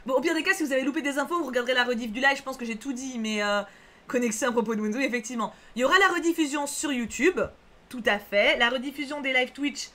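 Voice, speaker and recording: Speaking quickly in a high, somewhat bright voice, this live streamer keeps up casual chat with her audience. Fillers come often as she reassures viewers, repeats points and reads their messages out loud.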